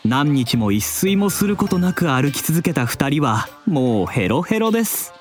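A man narrating a children's storybook drama in an expressive, drawn-out, dramatic manner. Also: on the high side, faint music behind.

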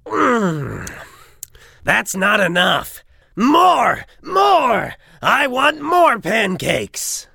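An actor voicing a big, bossy, greedy male wolf in a children's cartoon story, gruff and threatening. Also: mid-range voice, sing-song, takes it slowly, sharp tone, no echo, clean studio sound, full character voice. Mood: greedy delight. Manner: gruff, threatening, gobbling and boasting.

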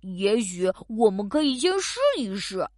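A woman's voice: mid-range voice, expressive, measured pace, a little mellow, no echo, clean studio sound, lightly acted. A woman voicing a kind, earnest young white bear cub with a wondering, exclamatory manner in a children's audio story. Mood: thoughtful, encouraging.

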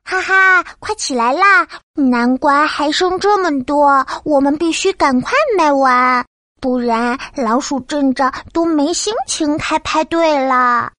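A woman voicing a clever, lively little frog in a children's audio story. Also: high voice, slow, dry recording, studio quality, exaggerated voice. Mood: eager, chirpy.

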